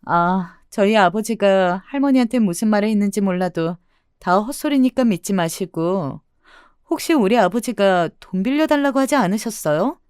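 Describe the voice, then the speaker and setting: A woman voicing a bold, scolding middle-aged sister-in-law who shouts theatrically in a radio story. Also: medium pitch, lively intonation, normal speed, clean tone, no echo, clean studio sound, close to an everyday voice.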